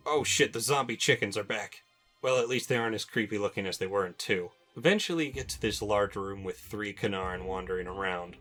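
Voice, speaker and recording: Low-pitched man doing game commentary. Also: a bit bright. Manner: informal, wry asides. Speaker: video game countdown host. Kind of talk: personal video commentary. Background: music.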